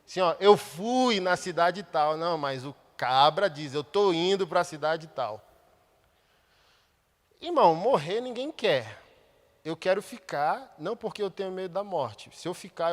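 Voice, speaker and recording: A Brazilian Portuguese-accented man preaching a sermon as a pastor, colloquial and impassioned, with sudden loud outbursts. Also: sits high, long reverb tail.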